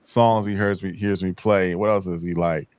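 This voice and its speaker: A man hosts a laid-back hip hop talk show in a somewhat low voice. He rambles and repeats himself as he chats. The sound is dry and close. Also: fairly even intonation, moderate pace, a little mellow, smooth, no room sound. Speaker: podcast host. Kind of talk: casual chat.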